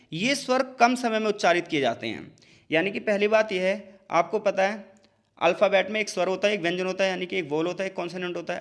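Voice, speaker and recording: A man's voice: sits high, fairly bright tone. A man teaching an exam-prep lesson, explaining patiently, mixing in English terms and sounding out examples aloud. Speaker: tutor.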